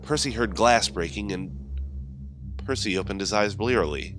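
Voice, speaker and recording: A man reading a scripted horror story as its narrator, in a measured, dramatic way. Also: on the low side, fairly bright tone. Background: music behind the voice.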